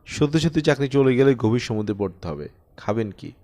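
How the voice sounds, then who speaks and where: A man reading a short story as an audiobook narrator, in an expressive storytelling style. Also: mid-range voice, fairly quick.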